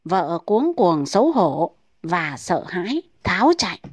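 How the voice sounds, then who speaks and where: A woman reading comic folk tales aloud in a brisk, steady storytelling manner. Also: on the low side, breathy edge, dry recording.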